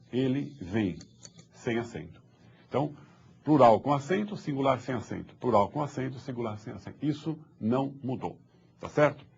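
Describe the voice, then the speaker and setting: Patient man with husky voice. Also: mid-range voice, darkish tone. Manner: patient, repeats points and checks understanding. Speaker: author giving a talk on spelling reform. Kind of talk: explanatory lecture. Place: publisher's studio. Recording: dull muffled lo-fi sound.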